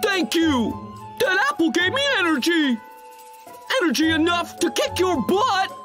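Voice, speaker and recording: A man's voice: very high-pitched, lively intonation, unhurried, faint music behind. An actor playing a big, simple, good-natured male cartoon bear with a naive, childlike manner. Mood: pleased. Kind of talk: exaggerated cartoon dub acting.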